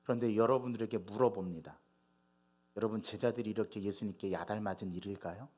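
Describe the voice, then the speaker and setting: A male pastor preaching a Sunday sermon in a church, animated and putting rhetorical questions to the congregation. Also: fairly low pitch, quick pace. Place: church sanctuary.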